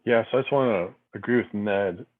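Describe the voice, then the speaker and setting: A man's voice: on the low side, fairly quick. Man on a tinny phone line. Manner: emphatic, rambling, restarts often. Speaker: committee member. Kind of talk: public meeting comments.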